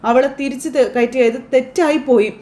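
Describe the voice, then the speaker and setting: A woman voicing a bitter, scheming middle-aged mother who turns her son against his wife, read slowly with light acting. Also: high voice, fairly even intonation, warm tone, natural voice. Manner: slow, lightly acted reading of reported lines.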